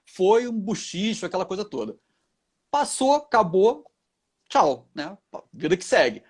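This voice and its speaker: A male voice actor and dubbing director, answering interview questions with animated stories, acting out quoted lines in other voices and laughing often. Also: high voice, a little slow, husky.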